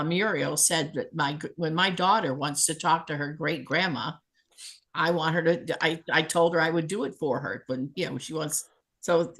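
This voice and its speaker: A middle-aged woman with a slightly low voice tells a long, animated anecdote in a casual chat. She laughs often as she goes and keeps an easygoing storyteller's rhythm. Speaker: spiritual healer and guest. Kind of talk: casual storytelling on a talk show.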